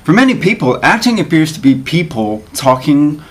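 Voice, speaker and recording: Expressive man reading an essay aloud. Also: a little high, moderate pace. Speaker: actor reading an article aloud.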